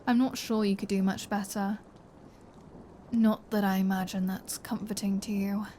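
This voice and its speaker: A woman's voice: mid-range voice, level tone, normal speed, mellow, slight background noise, natural voice. A woman voicing a flirty, menacing vampire in an intimate ASMR roleplay, teasing and sardonic, often slipping into a whisper. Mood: wry, fond. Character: flirty, menacing female vampire taunting her captive hunter.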